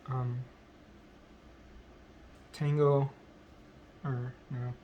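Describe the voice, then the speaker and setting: Hesitant man, very slow and flat. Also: medium pitch, lo-fi sound, slight background noise. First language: English. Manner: hesitant, many ums and self-corrections. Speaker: language learner vlogger. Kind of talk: halting unscripted speech practice.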